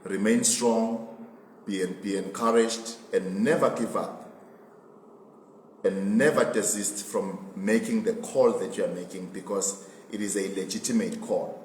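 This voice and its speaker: A man with a Swazi accent giving a political address in an interview, speaking emphatically and deliberately and repeating phrases for emphasis. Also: lowish voice, darkish tone. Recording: echoey reverberant room with background noise.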